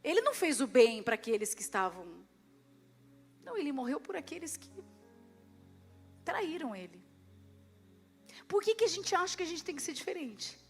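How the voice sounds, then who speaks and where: A Brazilian woman pastor preaching at a church service, lively, swinging between loud and hushed, and acting out prayers and dialogue. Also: high voice, moderate pace, pauses often, faint music behind. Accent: Brazilian Portuguese. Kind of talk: sermon.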